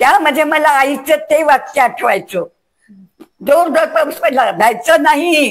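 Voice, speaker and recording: In a high voice with ordinary pitch variation, a woman speaks with very even loudness. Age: 90s. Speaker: freedom fighter. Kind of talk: interview.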